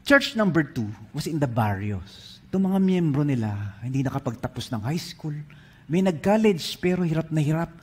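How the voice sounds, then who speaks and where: A man with a Filipino accent preaching a sermon, telling stories in an animated way while switching between English and Filipino. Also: a little high, normal speed, breathy edge.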